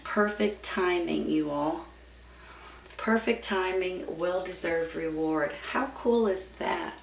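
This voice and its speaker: Female tarot reader, gravelly fry, encouraging folksy chat to viewers, recorded away from the mic. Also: lowish voice, slow. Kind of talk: casual tarot reading addressed to viewers. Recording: roomy, distant mic with background noise.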